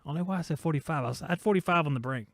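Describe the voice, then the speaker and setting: A man's voice: a little high, rapid-fire, no room sound, clean studio sound. A man in his forties hosting a live-streamed podcast from his workshop, rambling and joking as he reads viewer chat aloud. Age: 40s. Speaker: host of a live-streamed shop talk podcast.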